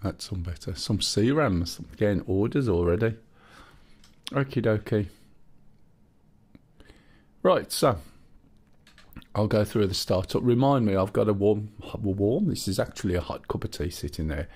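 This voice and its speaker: A man's voice: lowish voice, animated, measured pace, pauses often, a little mellow, breathy edge. A man with a Black Country accent chatting casually while live-streaming a flight game and reading viewer chat aloud.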